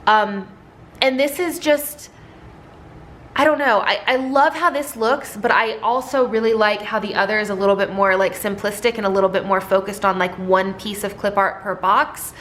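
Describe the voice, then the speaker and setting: Woman rambling about her stickers, a bit hoarse, lots of ums and likes, faint hiss behind her. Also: medium pitch, steady tone, moderate pace, a bit bright. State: slightly hoarse, losing her voice. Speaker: sticker shop owner and designer. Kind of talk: casual product walkthrough.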